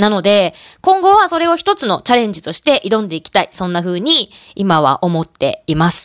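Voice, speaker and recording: A woman's medium-pitched voice, fairly quick, with very wide pitch swings and a dry, close sound free of echo. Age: 30s. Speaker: podcast host and office worker. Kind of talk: solo monologue podcast. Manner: polite, formal.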